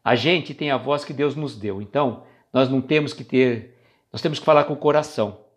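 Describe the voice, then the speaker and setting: A man's voice: mid-range voice, brisk. A Brazilian man hosting a spiritist livestream, chatting informally and addressing viewers directly by name. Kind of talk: casual livestream chat.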